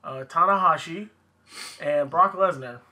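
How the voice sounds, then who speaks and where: A man's voice: fairly high pitch, unhurried, sharp tone. A man co-hosting a podcast in a casual, conversational style. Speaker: podcast co-host. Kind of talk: casual chat, wrestling discussion.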